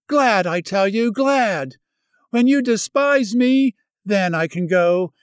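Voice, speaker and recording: A feverish, distraught young woman, voiced by a male reader, pleading in a high, wildly rising voice. The tone is smooth and the sound dry. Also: no echo. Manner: desperate, pleading.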